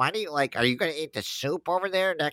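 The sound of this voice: A man does a put-on character voice. His pitch is fairly high and his pace very fast.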